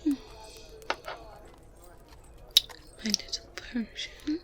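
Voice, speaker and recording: A woman playing a kindly medieval witch in an ASMR roleplay, softly spoken and breathy, gentle and deliberate with small murmured hums. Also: lightly acted. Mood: absorbed, calm. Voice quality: soft, breathy whispering. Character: kindly, unhurried medieval witch at her grimoire.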